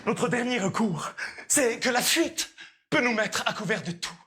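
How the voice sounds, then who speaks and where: An actor playing a young steward who schemes by flattery, in persuasive, declamatory stage delivery. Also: male voice, very high-pitched, measured pace, heavily acted. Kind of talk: classical stage comedy acting.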